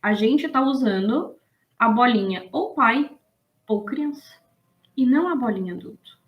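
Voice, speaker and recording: A woman's voice: a little high, highs cut off. Chatty woman teaching. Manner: chatty, animated, checks in with listeners. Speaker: business management instructor. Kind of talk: casual explanatory lesson.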